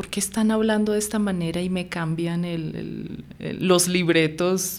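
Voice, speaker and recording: With a Bogotá accent, a woman speaks at a very slow pace in a fairly low pitch with fairly even intonation, recorded with audible room echo and noticeable background noise. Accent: Bogotá Colombian Spanish. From Colombia, Bogotá. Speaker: Spanish teacher. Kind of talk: casual chat; lesson explanation.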